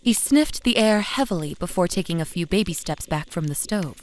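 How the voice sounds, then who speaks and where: An actress playing a loving, anxious young mother, narrating her memories in an expressive, conversational way for a scripted audio drama. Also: fairly low pitch, a little fast, lightly acted. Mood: fond, patient. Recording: faint music behind narration.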